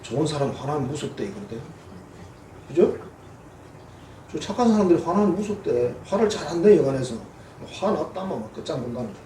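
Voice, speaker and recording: Gyeongsang pastor preaching in an echoey church. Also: male voice, fairly high pitch, lively intonation, fairly quick, long pauses, mellow, slight background noise. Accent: Gyeongsang Korean. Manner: folksy, humorous, acts out quoted voices. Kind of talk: sermon. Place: church sanctuary. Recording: echoey church hall, mic at a distance.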